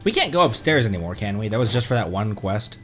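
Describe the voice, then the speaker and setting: A man streaming a game with casual, reactive and somewhat halting live commentary. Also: fairly low pitch, big pitch swings, faint music behind.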